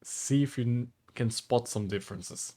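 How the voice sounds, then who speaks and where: Calm Portuguese-accented man streamer. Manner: deliberately lowered, calm voice; chuckles often between phrases. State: dry throat. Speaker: livestreamer. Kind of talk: casual stream chat reading viewer comments.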